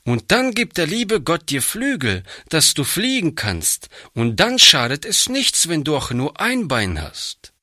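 An earnest little storybook girl who pleads and coaxes, her voice lifted high and swinging through a wide, lively melody, as a man reads her part. The delivery is unhurried and very bright, with a close, dry sound. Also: dry recording, heavily acted. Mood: pleading, eager. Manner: pleading, eager. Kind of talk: audiobook reading.

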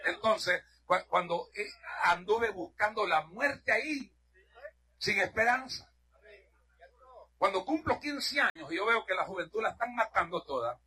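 A fiery middle-aged man from Honduras preaches to a church congregation with a high, bright voice. He swings from ringing shouts down to low, confiding asides. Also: breathy edge. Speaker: pastor. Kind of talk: sermon.

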